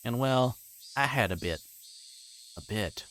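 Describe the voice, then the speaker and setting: A man's voice: mid-range voice, animated, slow pace, a bit bright, a little hiss or hum. A man voicing a chummy, sheepishly evasive teenage schoolgirl in a visual novel, in a casual confiding way. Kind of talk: visual novel read-aloud.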